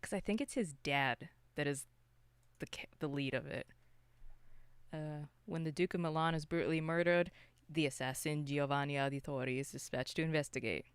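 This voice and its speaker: Clear, dry-sounding podcast co-host, casual and rambling. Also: medium pitch, normal speed, no room sound. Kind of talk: casual unscripted film discussion.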